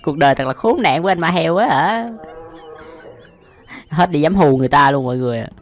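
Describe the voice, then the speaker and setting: A man's voice: a little high, animated, a little fast. A young man with a Southern Vietnamese accent giving casual, slangy, exclamatory reaction commentary as a video host. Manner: slangy, frequent exclamations and laughter.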